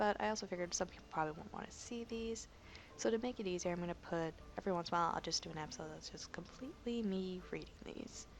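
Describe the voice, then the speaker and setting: A quiet woman's voice at medium pitch, very fast pace and lively intonation, with music in the background. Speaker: let's play gamer. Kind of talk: casual talk to camera.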